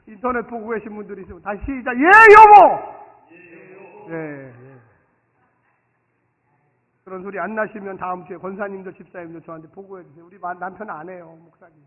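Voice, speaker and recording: Delivering a Sunday sermon very fast and with few pauses, a high-voiced pastor moves from soft asides to shouted exclamations. He acts out dialogue and leads the congregation in call-and-response. The sanctuary recording is reverberant and thin, like a phone.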